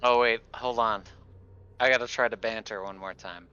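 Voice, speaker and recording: A male tabletop player with a clear, forward voice banters casually in character. The recording is a little dull and lo-fi. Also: mid-range voice, fairly even intonation, normal speed, sharp tone.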